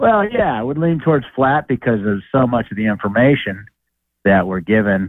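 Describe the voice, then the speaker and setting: Using an unremarkable speaking voice, a man with an American accent and medium pitch talks at a fairly quick pace with lively intonation. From Idaho. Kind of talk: casual chat. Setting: phone call.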